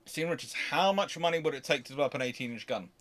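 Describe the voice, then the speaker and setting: A man hosting an unscripted history question-and-answer stream, talking casually in a halting, digressive way and often correcting himself. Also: a little high, expressive, a bit bright. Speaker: history livestream host.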